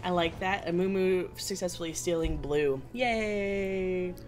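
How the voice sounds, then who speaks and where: A woman's voice: fairly low pitch, slow pace, over loud music. A woman co-casting a video game match, laughing often and bantering playfully. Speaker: esports caster. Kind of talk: live game commentary.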